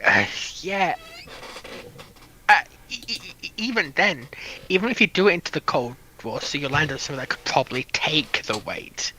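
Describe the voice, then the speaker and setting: A man's voice: fairly high pitch, expressive, moderate pace, bright, forceful tone, slight background noise, low-quality recording. A man talking casually in a panel discussion of military history.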